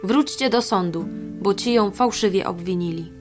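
A woman reading the lines of a bold young man who judges and accuses, in a stern, even way. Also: medium pitch, moderate pace, faint music behind, close to an everyday voice.

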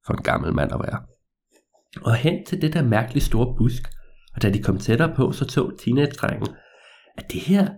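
A man telling a story to listeners in a lively, meandering way, with hesitations and repeats. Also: medium pitch, slightly rough.

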